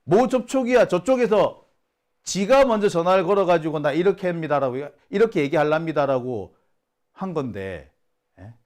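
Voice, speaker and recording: Heated, animated Korean male commentator. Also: on the high side, normal speed. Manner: heated and indignant, acts out quoted people, rhetorical questions. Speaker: journalist host of a political channel. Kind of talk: casual political commentary.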